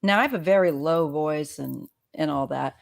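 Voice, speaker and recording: A woman's voice: deep voice, moderate pace, vocal fry. An older woman hosting a casual live chat, encouraging her guest with frequent affirmations. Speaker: host.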